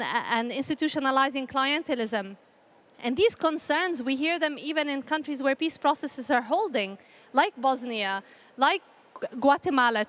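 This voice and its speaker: A woman from Palestine giving earnest, measured panel remarks in a formal style, often repeating phrases for emphasis. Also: high voice, fairly bright tone. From Palestinian, grew up in a conflict country. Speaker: panel speaker, peace initiative representative.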